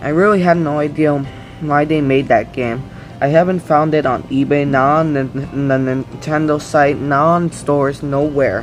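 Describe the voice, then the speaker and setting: Music plays in the background as a man speaks at a moderate pace in a fairly high pitch. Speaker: YouTuber reading creepypastas with commentary. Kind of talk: reading aloud with casual commentary. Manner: halting, frequent stumbles.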